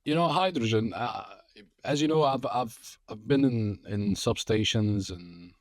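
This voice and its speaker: Low-voiced, encouraging male host. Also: a little slow, dry recording, clean studio sound. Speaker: podcast host. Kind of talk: conversational interview.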